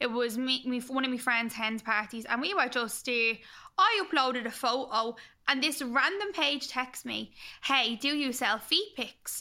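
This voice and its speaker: A woman with an Irish accent speaks at a fairly slow pace in a high, raised, projected voice with a bright, sharp tone. The recording is very clean, with a silent background. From Ireland. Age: 20s. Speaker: social media personality. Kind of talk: casual chat. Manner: animated storytelling.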